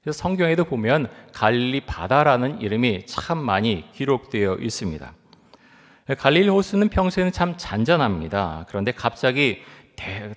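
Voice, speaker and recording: A middle-aged male pastor preaches in a measured voice of ordinary pitch. He reads scripture slowly and deliberately and keeps turning to his listeners with questions. His voice carries a long reverb from a large church sanctuary. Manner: poses rhetorical questions to the congregation. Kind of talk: sermon.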